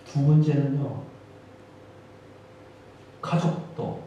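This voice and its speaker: A man's voice: mid-range voice, fairly even intonation, very slow, dark tone, muffled recording. A male pastor preaching a sermon with emphatic, rising and falling delivery in a church sanctuary. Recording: strong hall echo from a distant mic, faint noise.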